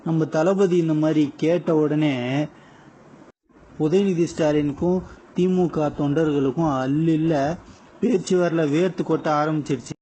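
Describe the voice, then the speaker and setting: Man, Tamil accent, mellow tone, slightly high, mocking news commentary, faint background noise. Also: steady tone, unhurried, low-quality recording. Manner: indignant, mocking, casual spoken Tamil.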